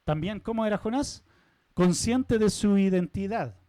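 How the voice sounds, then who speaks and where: A man's voice: sits high, a little slow, warm tone, dry recording. A man preaching a sermon as pastor, talking conversationally, putting questions to the congregation and dropping light humorous asides. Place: church sanctuary.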